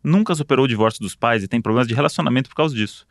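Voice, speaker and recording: A man's voice: medium pitch, very fast, creaky, no room sound, clean studio sound. A man co-hosting a casual chat, reading out quiz options and joking around playfully. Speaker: podcast co-host.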